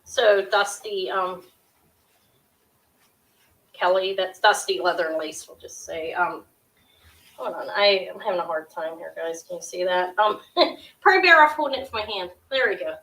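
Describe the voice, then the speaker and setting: A middle-aged woman with a sharp, high-pitched voice, hosting a live jewelry auction from her desk at home, chatty and scattered with lots of ums and quick restarts. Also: poor audio. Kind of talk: casual live-stream selling. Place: small home room with shelves of jewelry displays.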